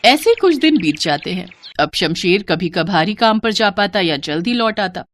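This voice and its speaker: A woman narrating a scripted moral story in an expressive storytelling style. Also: medium pitch, normal speed.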